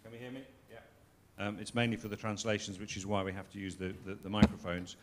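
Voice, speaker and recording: A man's voice: on the low side, flat delivery, quick pace, background noise. A man moderating a conference panel in a chatty, informal way. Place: conference hall.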